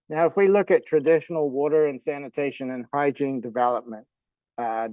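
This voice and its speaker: A man talks with a New Zealand accent. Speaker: development worker on water and sanitation. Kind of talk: webinar presentation. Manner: casual, conversational with fillers.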